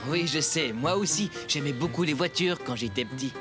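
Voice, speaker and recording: A man playing a patient, good-natured young father in a dubbed children's cartoon, expressive and gently instructive. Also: on the high side, moderate pace, music in the background, close to an everyday voice. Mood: good-humored.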